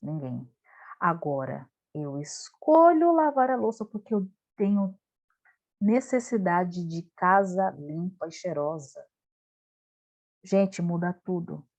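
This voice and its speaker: A woman with a Brazilian accent leading an online study group over a video call, speaking straight to the group in a lively way. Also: fairly low pitch, takes it slowly.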